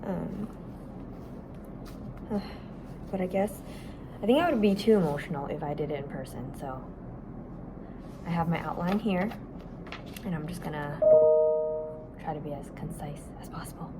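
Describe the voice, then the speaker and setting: Raspy young woman, emotional vlog. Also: low voice, animated, moderate pace, pauses often, noisy background. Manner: soft, reflective, emotional, with many fillers and small laughs. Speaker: high school history teacher. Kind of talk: casual personal vlog.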